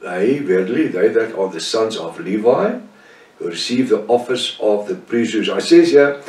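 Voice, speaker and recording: An older man from South Africa with an Afrikaans-tinged accent, leading a Bible study with slow, deliberate delivery, pausing on fillers and correcting himself. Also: on the low side, lively intonation, darkish tone, reverberant, recorded from a distance. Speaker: Bible teacher.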